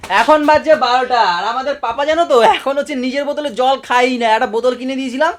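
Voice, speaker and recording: A woman's voice: high-pitched, a little fast. A young woman from West Bengal chatting playfully with a small child at home in a casual family vlog. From West Bengal, India. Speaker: family vlogger. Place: home indoors.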